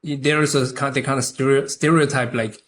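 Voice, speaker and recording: A young man from Taiwan, a native Chinese speaker with a Taiwanese accent, chatting haltingly as a podcast guest with many restarts. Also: mid-range voice, fairly even intonation, a bit bright. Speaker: podcast guest, concept artist. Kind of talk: casual interview chat.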